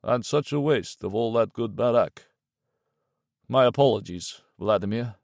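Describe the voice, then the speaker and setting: A man voicing a grim white-haired older man who speaks quietly and without life in a dull, hollow tone. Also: mid-range voice, unhurried, vocal fry, no echo, clean studio sound. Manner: dull, lifeless, quiet delivery.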